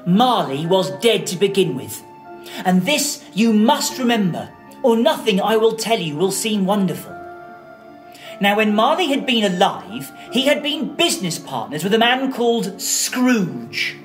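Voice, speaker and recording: A woman telling a story to children in a theatrical way, with dramatic, deliberate phrasing. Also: medium pitch, sing-song, soft background music.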